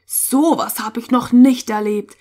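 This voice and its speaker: Woman reading as freckled rascal boy, wide-eyed, lively, storybook voice. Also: a little high, unhurried. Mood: amazed.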